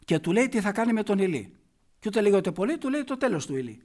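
Preaching a sermon in a very high, very animated voice, a man speaks emphatically and repeatedly poses rhetorical questions to the congregation. He slips into hushed asides, then returns loudly on the points he wants to stress.

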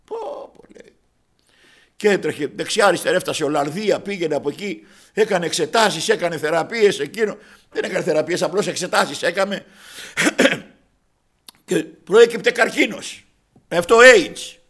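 A male preacher with a high-pitched voice delivers a sermon as a story. He addresses the congregation as brothers and slips into the voices of the people he quotes. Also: fairly bright tone, breathy edge. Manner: acts out dialogue in quoted voices.

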